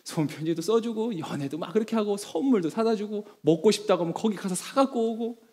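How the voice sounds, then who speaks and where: A man's voice: sits high, a little fast, dark tone, breathy edge. A male pastor giving an earnest sermon, mixing personal stories with emphatic appeals to the congregation.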